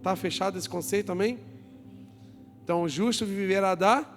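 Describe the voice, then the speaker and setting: A pastor preaching a lively sermon to his congregation, joking with them, asking them questions and calling for applause. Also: high-pitched, moderate pace. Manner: joking, asks the crowd questions and calls for applause. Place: church hall with a congregation. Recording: long church reverb, music behind.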